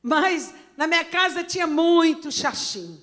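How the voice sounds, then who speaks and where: A middle-aged woman pastor with a Brazilian Portuguese accent, preaching a sermon with expressive swings between loud emphasis and quiet asides. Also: very high voice, a little slow. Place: church service.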